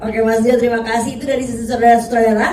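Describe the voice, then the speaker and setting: A woman hosting a press conference, chatty and lively with quick follow-up questions. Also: a little high. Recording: distant echoey room, noisy.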